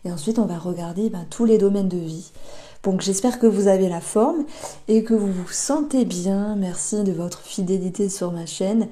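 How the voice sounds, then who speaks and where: A woman giving a monthly tarot reading, talking gently with many hesitations and restarts. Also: mid-range voice, moderate pace. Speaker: tarot reader.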